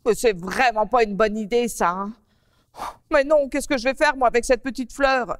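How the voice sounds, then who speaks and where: A woman's voice: a little high, fairly even intonation, normal speed, dry recording, clean studio sound, in a large hall, close to an everyday voice. A woman voicing a fretful young woman with a flower on her nose, who exclaims and stammers while speaking to the children in a children's TV story. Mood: fretful flustered.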